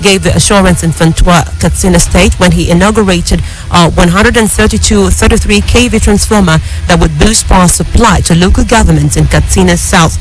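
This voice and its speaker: A woman with a Nigerian accent reads scripted radio news as an anchor, in a formal, measured way. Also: lowish voice, faint music behind, poor audio. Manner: formal, measured newsreader delivery.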